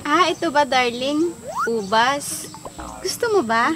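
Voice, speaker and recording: A woman's voice: sits high, lively intonation, takes it slowly, background noise. A woman acting as a sweet, doting wife in a comedy skit, coaxing and calling her husband darling. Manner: sweet and coaxing, calls him darling constantly. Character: sweet doting young wife, suddenly extra kind. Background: background music.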